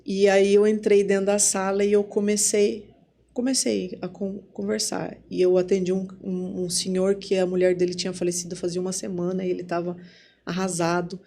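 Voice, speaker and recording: A woman with a Brazilian Portuguese accent, talking as a guest on a podcast. She tells her own story casually at a medium pitch and voices remembered exchanges as she goes. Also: moderate pace, creaky. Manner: lively storyteller who acts out remembered dialogue. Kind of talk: casual spoken testimony.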